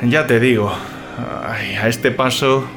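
A man's voice: mid-range voice, steady tone, slow, over music. A man co-hosting a horror audio show with cheeky, colloquial banter.

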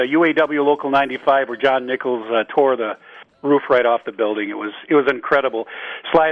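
A man, a state representative, talking earnestly on a phone-in interview, pausing often with filler sounds. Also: medium pitch, dry recording. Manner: halting, with many filler sounds; tells stories earnestly. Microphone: telephone. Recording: dull, dry phone line.

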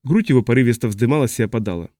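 A man narrating an audiobook in a measured, even storytelling manner. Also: medium pitch, dry recording, clean studio sound. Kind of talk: scripted narration.

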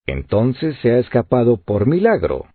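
A man's voice: medium pitch, huge pitch swings, moderate pace, husky, no echo, heavily acted. A man voicing an obstinate, grumbling grown sailor in a tinny, lo-fi audiobook recording. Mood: stubborn. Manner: grumbling, stubborn.

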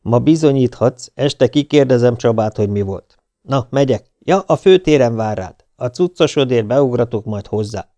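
A man voicing a calm, caring male nurse. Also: mid-range voice, dry recording, natural voice. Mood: instructive. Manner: calm, instructive. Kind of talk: audiobook character voice.

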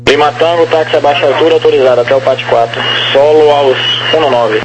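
A man's voice: a little high, steady tone, quick pace, muffled recording. A man giving procedural air traffic control instructions over aviation radio. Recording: noisy radio with mains hum.

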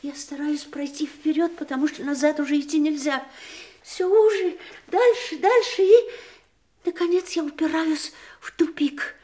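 An actress playing a troubled, polite woman in an audio drama, speaking in a deliberate, expressive storytelling manner. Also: high voice, natural voice. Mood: rising dread. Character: troubled, polite woman recounting a frightening dream. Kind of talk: audio stage drama, theatrical monologue.

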